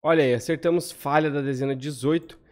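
Scrolling a spreadsheet on screen share from a home room, with his webcam on, a Brazilian man in his thirties talks casually through lottery number trends as host. He has a Brazilian Portuguese accent and a slightly high, steady voice, delivered quickly and chattily, with frequent tag questions to check in with viewers.

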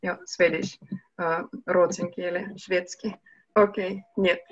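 A young woman teaching a language over a video call, speaking slowly and patiently and switching between two languages. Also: lowish voice, little pitch movement, dry recording. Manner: slow, patient, switches between Russian and Finnish. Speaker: online Russian teacher. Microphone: video call webcam mic. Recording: muffled, dry video call audio.

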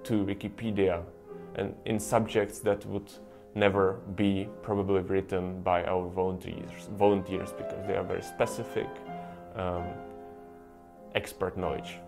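A man's voice: low voice, level tone, measured pace, vocal fry. A young man answering in an interview, hesitant and full of fillers, in a library room on a lapel mic. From Czech Republic. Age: young adult. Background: guitar music.

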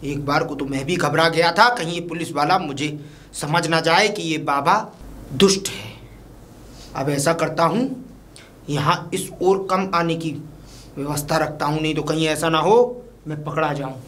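A man's voice: on the high side, fairly even intonation, moderate pace, fairly bright tone, slight background noise, natural voice. A man acting a scheming fake holy man who steals a child in a village crime drama, with a sly, sing-song chanting manner. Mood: relieved. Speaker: fake baba. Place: outdoors in a village.

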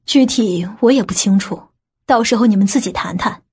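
A woman's voice: medium pitch, moderate pace, a little mellow, slightly rough. A woman playing a stern, principled middle-aged aunt in an audiobook, blunt and skeptical. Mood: matter-of-fact. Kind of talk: audiobook character acting.

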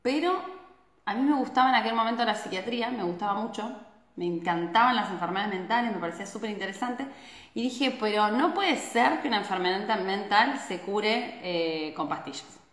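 A woman in her thirties with an Argentine Spanish accent talks to viewers in a chatty live stream, tossing in constant tag questions as she gestures. Her pitch sits in a middle range for a woman. The phone at arm's length picks up a small room with a noticeable echo. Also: animated, normal speed, a bit bright. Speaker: Ayurveda doctor hosting a live stream. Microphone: phone camera at arm's length. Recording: echoey room.

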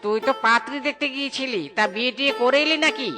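A man's voice: very high voice, quick pace, music in the background. A man voicing a cocky, clever monkey friend in a cartoon who drops English slang. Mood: teasing. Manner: breezy, mixes English slang. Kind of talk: cartoon voice acting.

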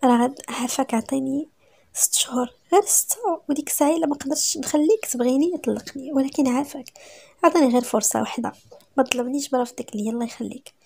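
A woman with a Moroccan accent voicing a desperate, lovesick young wife in a husky voice. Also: fairly high pitch, steady tone, rapid-fire, darkish tone. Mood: pleading.

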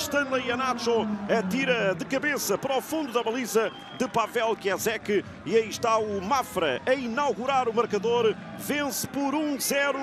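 A man with a European Portuguese accent giving fast, dramatic, excited football commentary over stadium ambience. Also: extremely high pitch. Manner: excited, emphatic play-by-play calls. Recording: loud stadium ambience behind the voice.

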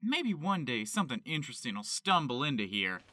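A man playing an excitable young chicken farmer who talks in a folksy, exclamatory way in an amateur audio drama. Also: mid-range voice, brisk, very noisy, natural voice. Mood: weary. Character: excitable young male Kentucky chicken farmer, devoted to animals.

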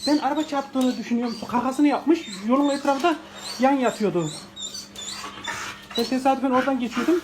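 A man's voice: extremely high pitch, brisk, pauses often, noisy background. A man in his forties from Turkey, rescuing an animal, talks in a soothing, coaxing way and repeats short words again and again. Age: 40s. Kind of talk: unscripted phone video.

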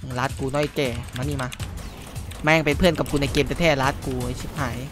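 A young man playing a game and commentating, swearing loudly at other players, then switching to polite speech when he talks to his viewers. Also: on the high side, fairly even intonation, fairly quick. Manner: loud swearing outbursts, yelling at other players; polite ending particles when addressing viewers. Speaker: gaming YouTuber. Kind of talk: excitable gaming commentary. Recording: background music under the voice.

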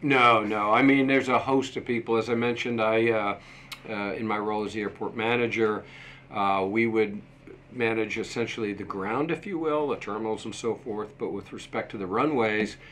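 A man in his sixties answering interview questions in a measured, halting way, pausing as he goes. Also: fairly low pitch, fairly even intonation, a bit bright, slight background noise. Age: 60s. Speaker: interview guest, museum deputy director and former airport manager. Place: small indoor office set. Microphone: desktop microphone shared at a table.

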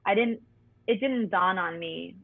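Woman, thirties, chef, animated personal storytelling, lots of "like", thin phone-like call sound. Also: mid-range voice, unhurried, gravelly, husky, no room sound. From San Diego–Tijuana border region. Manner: animated, frequent "like" and "you know". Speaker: chef and guest. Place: small home room indoors. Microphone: video call laptop mic. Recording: tinny phone-like call audio.

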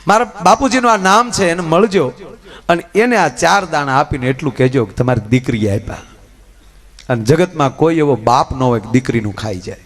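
A man telling folk stories and jokes to a live audience, swinging between loud telling and soft asides. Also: on the high side, normal speed. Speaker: folk storyteller and comedian. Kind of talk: live folk storytelling on stage.

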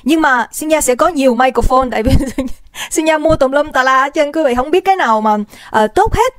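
Bubbly high-voiced livestream hostess. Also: female voice, brisk, no echo. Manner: bubbly, greets viewers by name, drops English phrases. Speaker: livestream host. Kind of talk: casual livestream chat. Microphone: desk microphone.

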